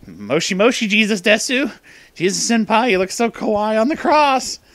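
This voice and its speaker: A man's voice: high voice, very animated, normal speed, fairly bright tone, dry recording, pitched above the performer's own voice. A man voicing an awkward, flustered young anime fanboy in a comic story, stammering as he talks. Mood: fawning.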